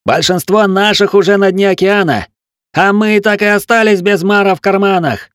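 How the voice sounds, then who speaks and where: A man voicing a panicked young male ship gunner who yells frantically in coarse speech. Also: sits high, moderate pace, smooth, dry recording, clean studio sound, pitched above the performer's own voice. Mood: angry.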